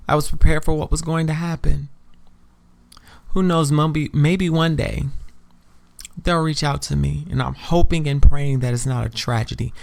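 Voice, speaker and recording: A man's voice: a little high, fairly even intonation, moderate pace, vocal fry. A man voicing a romantic, hopeful trans woman in her late twenties, sweet and sincere, in an audio drama. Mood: hurt but hopeful.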